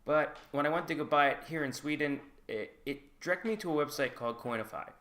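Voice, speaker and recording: Speaking a little fast in a fairly high, slightly bright voice, this vlogger talks to camera about his own experiences. He's a native English speaker from the United States, chatty and open, softening his statements with "like" and "I guess."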